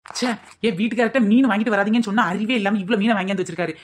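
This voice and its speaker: A woman voicing a clever, theatrical young daughter-in-law in a cartoon comedy, talking fast and scheming. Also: medium pitch, slight background noise, lightly acted. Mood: busy. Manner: rapid, scheming, mock-tearful when flattering.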